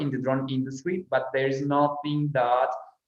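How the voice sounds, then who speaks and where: A man speaks in a Spanish accent. Audible room echo is present. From Colombia. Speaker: drone industry association co-founder. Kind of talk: live interview podcast.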